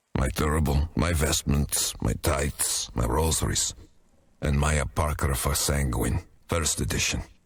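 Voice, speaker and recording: A man speaks in a put-on character voice. His pitch is very deep and low, and his pace is moderate. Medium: video game. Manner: breezy, insistent.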